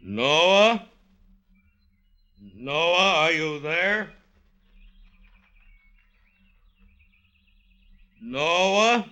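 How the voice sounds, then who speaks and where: An actor in a classic radio drama playing a gluttonous, sly gypsy suitor who drawls haltingly and pleads. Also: male voice, high voice, sharp tone, clean tone, heavily acted. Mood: frightened pleading.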